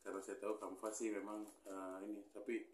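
A man's voice: on the low side, level tone, fast, echoey room, a little hiss or hum. A man in his thirties chatting casually to camera in a small room, thinking aloud with lots of fillers and mild grumbling. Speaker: hobby vlogger. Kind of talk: casual unboxing chat. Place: small indoor room with pink wall.

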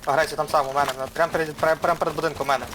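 A man's voice: fairly high pitch, level tone, very fast, very noisy. A man on gaming voice chat, repeating frantic callouts to his team. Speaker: gamer.

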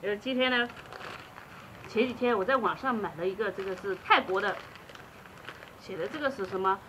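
A woman's voice: mid-range voice, animated, normal speed, noisy background. A young woman chatting casually outdoors in a rural yard, an easygoing food vlogger. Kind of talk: casual chat.

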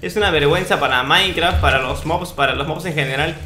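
A man's voice: a little high, fast, sharp tone. A young man with a Peruvian Spanish accent giving casual, cocky, mock-boastful commentary on a video game. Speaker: gaming video host. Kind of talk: casual Minecraft gameplay commentary. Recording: roomy sound with faint background noise.

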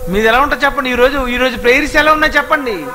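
A man preaching a sermon with an animated manner, asking his listeners question after question. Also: extremely high pitch, racing, over music, poor audio.

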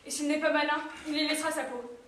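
Woman playing a high-voiced, protective stage mother. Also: fast, fairly bright tone. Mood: lamenting. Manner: declamatory, pleading, scolding. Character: protective, lamenting mother of a would-be soldier. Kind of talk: theatrical stage acting. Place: theatre stage, indoors. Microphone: far camera in audience. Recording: echoey theatre hall, distant, noisy.

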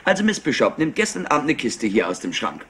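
An animated, husky, smug nephew. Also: male voice, medium pitch, fast talker, exaggerated voice. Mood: showy, condescending. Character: highly intelligent, overexcited, smug nephew of an industrialist. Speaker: actor dubbing a suspect. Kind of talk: German crime drama dub, animated acting.

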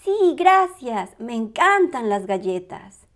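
A woman's voice: a little high, big pitch swings, slow. A woman voicing an eager, polite little boy bear cub from a storybook, childlike and earnest.

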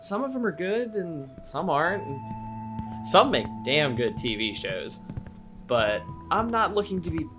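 Lively, frank small-town young guy played by a man. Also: fairly high pitch, measured pace, over music. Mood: frank, casual. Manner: casual, folksy, frank. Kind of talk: audio drama dialogue.

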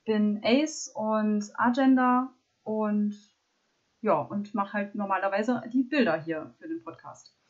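A forty-year-old woman from Saarland co-hosts a casual podcast, hesitating often and filling pauses. The sound is slightly dull and lo-fi, like a home recording. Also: medium pitch. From Saarland, Germany. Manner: hesitant, many fillers. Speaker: podcast co-host.

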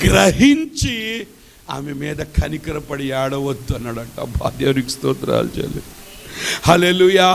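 A male pastor preaching a sermon, swinging between shouted, sung exclamations and soft, tender speech. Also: a little high, creaky, slight background noise.

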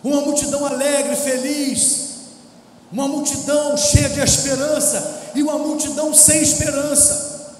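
A man, a visiting pastor, preaching a fiery sermon in a large church, shouting and half-singing some lines. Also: extremely high pitch, flat delivery, a little slow, faint music behind. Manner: shouts and sings lines, acts out quoted believers. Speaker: guest pastor. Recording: echoey church hall, distant mic, faint noise.

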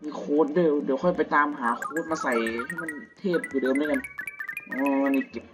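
A young man, still a student, giving casual gameplay commentary at home at night, slangy and crude with excitable outbursts. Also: a little high, fairly quick. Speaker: gamer. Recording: dull lo-fi audio with game music.

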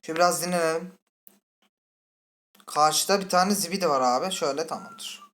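A woman playing a horror game and commenting with a Turkish accent, chatty and full of swearing, breaking into startled high shrieks. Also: brisk, a bit bright. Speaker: gaming channel host. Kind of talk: let's play commentary. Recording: faint game music behind.

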